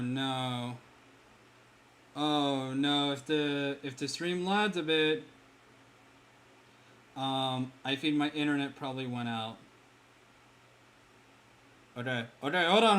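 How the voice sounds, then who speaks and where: A man's voice: mid-range voice, slow, long pauses, fairly bright tone, slight background noise. A young man livestreaming while he draws viewers' characters, chatting loosely with his chat. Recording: music playing behind.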